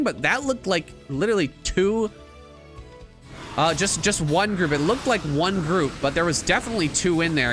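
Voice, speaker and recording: A man giving solo play-by-play commentary on a strategy video game, excited and rambling, while losing his voice. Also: on the high side. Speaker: game caster.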